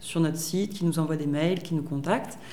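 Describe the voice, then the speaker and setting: Clear room echo and noticeable background noise around a woman's fairly low voice. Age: 30s. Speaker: journalist. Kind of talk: interview. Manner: halting with frequent fillers.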